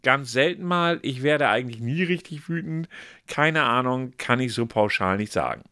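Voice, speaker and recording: A man's voice: medium pitch, lively intonation, moderate pace, bright, forceful tone, smooth, no echo, clean studio sound. A man co-hosting a casual podcast, reading quiz questions and answer options aloud in a playful way. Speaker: podcast co-host.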